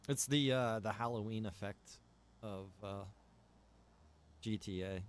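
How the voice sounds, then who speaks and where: This man speaks in a lowish, unhurried voice while chatting casually on a live game stream. He rambles as he thinks aloud, and the background noise comes through clearly.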